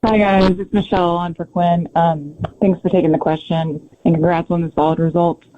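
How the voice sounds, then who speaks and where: Polite male caller with questions, slightly high pitch, hesitant phrasing, thin phone-line audio. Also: level tone, slight background noise. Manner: halting, polite. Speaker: financial analyst asking questions. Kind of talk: spontaneous questioning on a conference call. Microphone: telephone. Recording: narrow tinny phone line.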